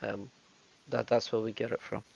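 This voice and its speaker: A man's voice: on the low side, little pitch movement, normal speed, gravelly, muffled recording. A man from Russia, host of a Christian debate group, talking eagerly in a casual voice chat with many restarts and fillers.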